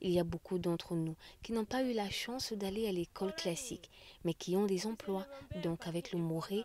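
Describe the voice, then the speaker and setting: With a Burkinabè accent, a woman speaks at a moderate pace and a medium pitch. Her intonation is lively. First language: Mooré (speaking French). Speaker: literacy learner. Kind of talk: interview.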